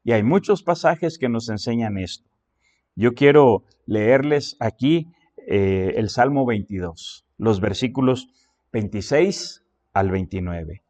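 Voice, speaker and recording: A man's voice: medium pitch, animated, takes it slowly, darkish tone. A man preaching a sermon as pastor. He reads scripture aloud and counts off his points, repeating phrases for emphasis.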